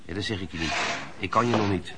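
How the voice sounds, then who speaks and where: An actor in a Dutch radio play voicing a knowing, streetwise veteran lodger, talking in a wry, confiding, colloquial way. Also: male voice, low voice, quick pace, crowd noise, close to an everyday voice. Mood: wry, amused.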